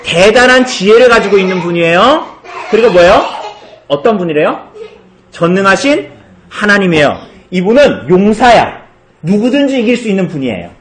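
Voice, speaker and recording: Lively pastor asking children questions. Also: male voice, sits high, moderate pace, reverberant. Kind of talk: children's sermon. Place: church.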